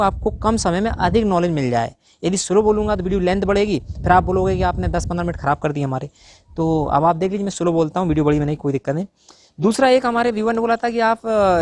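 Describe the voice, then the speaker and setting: Fast-talking man explaining solar wiring. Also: high voice, no echo, studio quality. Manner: rapid, talks to viewers directly, frequent fillers. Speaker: YouTube tutor on solar installation.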